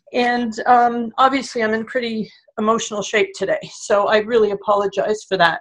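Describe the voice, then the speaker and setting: A woman at a fairly high pitch and moderate pace, with ordinary pitch variation. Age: 60s. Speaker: participant asking for help. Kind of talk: emotional personal testimony. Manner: halting.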